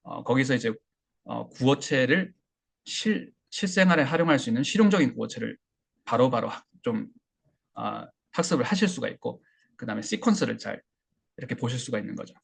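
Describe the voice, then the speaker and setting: Male instructor, gravelly and husky, mid-pitched; relaxed lecturing with fillers. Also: a little fast. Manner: relaxed, explanatory, many fillers and restarts. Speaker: English listening instructor. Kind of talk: online class lecture.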